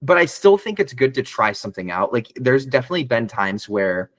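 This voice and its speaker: In this casual interview, a male voice actor rambles along briskly, full of fillers and false starts, his pitch swinging widely. There's some bass under a slightly bright tone, with no echo in the room.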